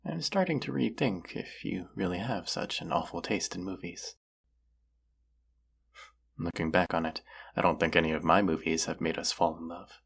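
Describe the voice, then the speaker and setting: Man acting a husky, very gravelly young romantic crush. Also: exaggerated voice. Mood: playful, teasing. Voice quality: husky, breathy, gravelly low voice. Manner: slow, hushed, teasing, trailing pauses. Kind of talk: intimate romantic audio roleplay.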